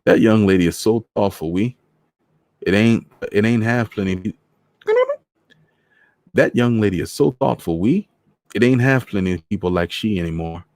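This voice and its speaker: A man's voice: on the low side, moderate pace, long pauses, a little mellow, no room sound, clean studio sound, pitched above the performer's own voice, lightly acted. A man voicing a lonely, cheerful old man from Trinidad, speaking in a lilting island dialect with a Trinidadian accent. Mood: fond.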